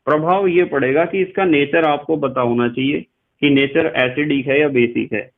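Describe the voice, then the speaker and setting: A middle-aged man with a western Uttar Pradesh Hindi accent, teaching chemistry as a lecture, explaining slowly, repeating key phrases and quizzing his students. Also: fairly high pitch, creaky. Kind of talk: classroom lecture. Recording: tinny phone-like sound.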